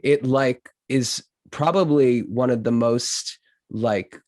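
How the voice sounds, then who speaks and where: A man hosting a podcast in casual conversation, gushing and halting, with lots of filler words. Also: mid-range voice, a little mellow, no echo, clean studio sound. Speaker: podcast host. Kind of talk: casual interview chat.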